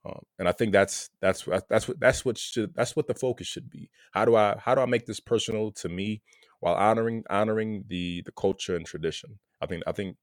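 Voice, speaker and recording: A Haitian American man talking through his thoughts in a relaxed conversation, often repeating words as he searches for them. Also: lowish voice, a little fast, no echo, studio quality. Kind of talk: casual conversation.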